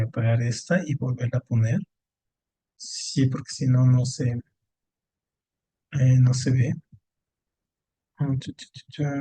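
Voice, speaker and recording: A man's voice: medium pitch, warm tone. A man teaching a spelling lesson online, patient and encouraging, with many fillers as he corrects a student. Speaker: Spanish teacher. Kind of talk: online tutoring lesson over screen share.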